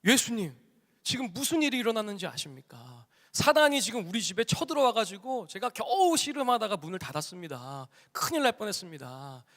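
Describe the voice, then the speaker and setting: A man's voice: high-pitched, sing-song, brisk, fairly bright tone. A pastor voicing an eager, rattled rich man. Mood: alarmed. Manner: exclaiming, formal polite speech. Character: wealthy male homeowner, eager and easily rattled. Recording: long church hall reverb.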